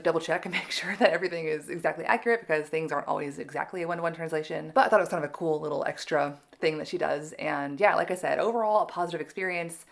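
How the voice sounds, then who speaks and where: A woman's voice: deep voice, creaky. A woman vlogger talking casually to camera about learning a language, chatty and self-deprecating, with many fillers.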